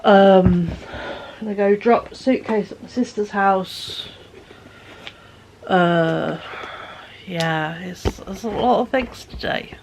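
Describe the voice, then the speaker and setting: A woman's voice: medium pitch, takes it slowly, pauses often, darkish tone, a little hiss or hum. A woman vlogging from home into a phone at arm's length, chatting in a rambling way with lots of fillers and dips into whispers, her voice sounding tired. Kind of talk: chatty vlog monologue.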